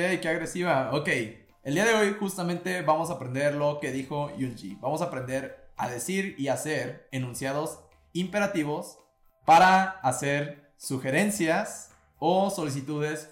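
A man's voice: fairly high pitch, roomy sound. A man co-hosting a podcast lesson, explaining grammar patiently and prompting his co-host with questions. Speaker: podcast co-host, Korean teacher. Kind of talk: casual language lesson.

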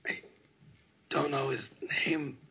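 An actor playing a stabbed, dying shopkeeper in a 1940s radio crime drama, gasping for breath and struggling to speak. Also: male voice, fairly high pitch, little pitch movement, slow, pushed and bright, full character voice. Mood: gasping, desperate. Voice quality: husky, gravelly, breathless. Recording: dull lo-fi 1940s radio recording.

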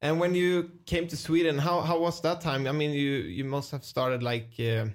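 A man's voice: a little high, little pitch movement, normal speed. A man interviewing a guest, asking questions in a casual, searching way.

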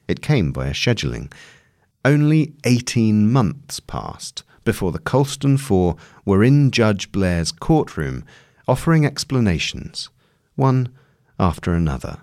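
A man reading a long-form piece of journalism as scripted narration, in a measured, articulate delivery. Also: sits low, darkish tone, no echo, clean studio sound.

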